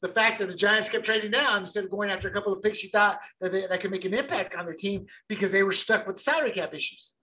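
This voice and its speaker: A man co-hosting a casual sports podcast, talking in an animated, rambling way and repeating words as he gets going. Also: high voice, fast, few pauses, low-quality recording. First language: bilingual since childhood. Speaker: podcast co-host.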